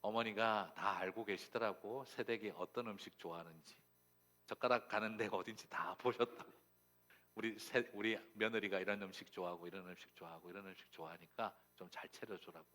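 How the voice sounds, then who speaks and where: A middle-aged male pastor tells a sermon story in a fairly low voice. He acts out the quoted dialogue, swinging between hushed asides and loud, animated outbursts. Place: church sanctuary.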